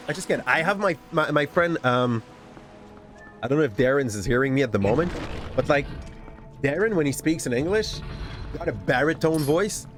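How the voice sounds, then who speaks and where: Brief: Quebec-accented male streamer, animated rising-falling delivery, game music underneath. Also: on the high side. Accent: Québécois French. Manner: chatty, rambling, often restarts words. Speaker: gaming streamer. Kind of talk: casual gameplay commentary.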